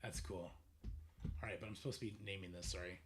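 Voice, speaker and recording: A man's voice: low voice, fairly even intonation, fast, a little hiss or hum. A man chatting casually on a gaming livestream, thinking aloud in a rambling way, his voice strained as if he is losing it. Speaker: live streamer.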